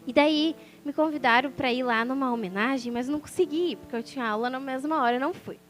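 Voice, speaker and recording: A woman's voice: high voice, quick pace, soft background music. A woman sharing a personal testimony as a sermon, telling the story with animation and acting out the voices of people she quotes. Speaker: preacher.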